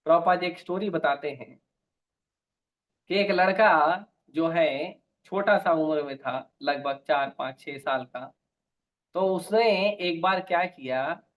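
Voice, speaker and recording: A man preaches a Hindi devotional sermon full of stories, speaking emphatically and repeating key phrases. His voice is fairly high and his pace slow, captured in a dull, lo-fi recording.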